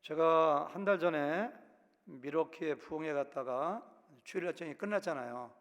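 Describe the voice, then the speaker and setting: Preaching in a church sanctuary with long hall reverb, this Chungcheong-born Korean pastor talks at a moderate pace in a slightly high voice. His regional Chungcheong accent comes through as he voices quoted lines in changing tones.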